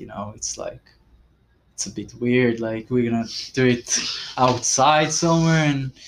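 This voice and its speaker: A man with an Israeli accent, medium pitch, ordinary pitch variation, and a fairly slow pace. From Israel, rural periphery. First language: Hebrew. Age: 20s. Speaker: podcast guest. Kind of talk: casual interview. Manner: halting.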